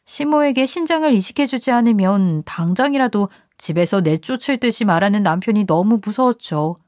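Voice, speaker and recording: A woman's voice: medium pitch, animated, fairly quick, a little mellow, dry recording, clean studio sound. A woman narrating a first-person story in a confiding, scripted manner.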